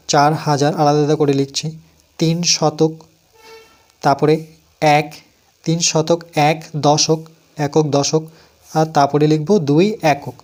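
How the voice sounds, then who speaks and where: A man with a fairly high voice and a West Bengal Bengali accent talks students through a place-value lesson. He counts each item aloud in a patient, steady rhythm. He keeps asking the class questions and then answers them himself. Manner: counts aloud slowly, asks and answers his own questions. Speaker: math teacher. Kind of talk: step-by-step math lesson.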